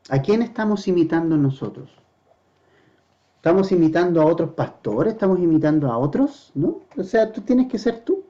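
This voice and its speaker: Earnest pastor preaching, dark dull sound. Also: male voice, fairly high pitch. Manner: earnest, asks the congregation rhetorical questions; slows down to stress scripture quotes. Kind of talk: verse-by-verse sermon.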